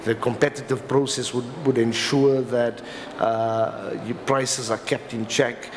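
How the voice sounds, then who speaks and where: A man with a South African accent giving an explanatory conference talk as a legal professional, in a halting, hesitant delivery with repeated words. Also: medium pitch, little pitch movement. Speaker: company lawyer speaking as a summit panelist. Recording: reverberant hall with clear background noise.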